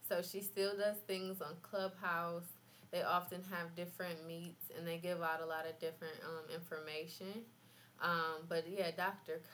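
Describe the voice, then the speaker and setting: With an American accent, a woman speaks at a fairly slow pace. Her intonation is monotone and flat. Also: fairly low pitch for a woman. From Detroit, US Midwest. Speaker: singer and musician. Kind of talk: casual chat.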